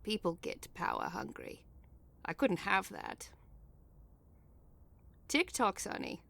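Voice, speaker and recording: Woman acting smug, creaky-voiced female villain. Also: medium pitch, huge pitch swings, takes it slowly, fairly bright tone, exaggerated voice. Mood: smug mocking. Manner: smug, mocking, sardonic. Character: cold, sardonic scheming female villain, mocking and ruthless. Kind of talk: audio drama comedy acting.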